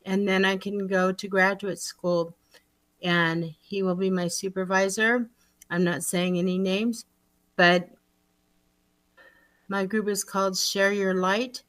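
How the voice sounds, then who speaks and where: A woman's voice: medium pitch, fairly even intonation, takes it slowly, long pauses, a bit bright, no room sound. A woman improvising an earnest group facilitator on a reality show who is blunt and insistent about making money. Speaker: improv performer. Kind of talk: improvised comedy scene.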